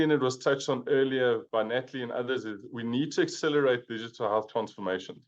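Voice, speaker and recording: A man's voice: mid-range voice, muffled recording. A man from South Africa giving an earnest conference presentation as a pharmaceutical executive, often repeating words as he restarts. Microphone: remote video call.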